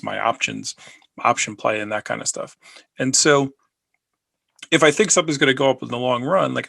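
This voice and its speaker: A man talks casually to his viewers, circling back on his points and filling the gaps with "uh". His voice is gravelly and has a bright, forceful edge, pitched at an ordinary middle height. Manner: rambling, repeats himself, many fillers. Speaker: personal finance video host. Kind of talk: casual talk to camera.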